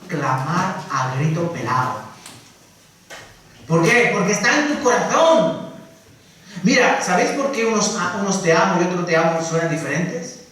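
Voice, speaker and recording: A man preaching a Sunday sermon in a lively way, dropping to soft asides and rising to loud calls, acting out quotes. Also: high-pitched, moderate pace. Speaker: pastor. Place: church hall. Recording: echoey church room from far off.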